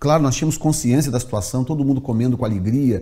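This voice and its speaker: Somewhat breathy and dark, mellow in tone, a man speaks at medium pitch with ordinary pitch variation. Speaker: YouTuber and missionary. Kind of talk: opinion monologue. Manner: animated.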